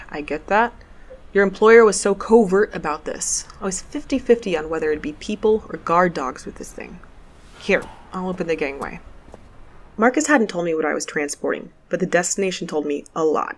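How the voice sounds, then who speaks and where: A low-voiced, sardonic space courier. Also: female voice. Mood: brisk, businesslike. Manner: sardonic, colloquial. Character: wry, foul-mouthed, sharp-tongued space courier narrating their tale. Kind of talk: first-person audio drama narration and dialogue.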